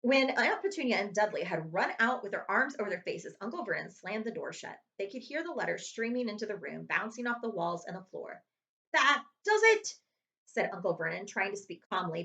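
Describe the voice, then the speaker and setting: A woman reads a children's story aloud in a librarian's storytime manner. Her pitch moves in big, animated sweeps with dramatic emphasis, and the recording sounds a little dull and lo-fi. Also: a little fast. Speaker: librarian reading aloud to students. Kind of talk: children's chapter book read-aloud.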